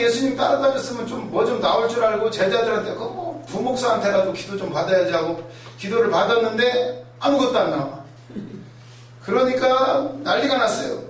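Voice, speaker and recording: A man preaching a sermon in a lively, conversational way, acting out voices and asides. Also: very high-pitched. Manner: animated, acts out voices and asides. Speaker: pastor. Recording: echoey hall, mic far off, faint noise.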